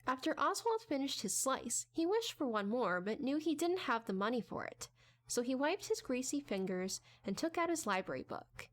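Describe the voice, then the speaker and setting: A woman's voice: sits high, very animated, normal speed. A woman narrating a story as a dramatic audiobook reading.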